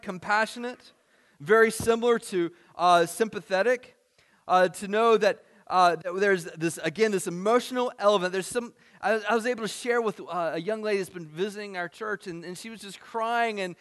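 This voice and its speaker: A male pastor preaching a sermon to his church, earnest, rising to emphatic points and then dropping soft. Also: high-pitched.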